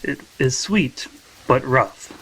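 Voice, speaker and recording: A man's voice: medium pitch, expressive, takes it slowly, fairly bright tone, slight background noise, low-quality recording. A man playing in a tabletop game podcast, narrating his character's story and actions.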